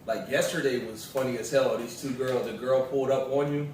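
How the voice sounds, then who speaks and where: A man chats casually beside his partner and tells stories in a loose, rambling way with plenty of fillers. His voice sits at an ordinary middle pitch. He is some way from the mic in a very echoey room with faint noise behind him. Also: fairly quick, far from the mic. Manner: relaxed, rambling, many fillers. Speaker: vlogger's partner. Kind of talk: casual storytelling chat.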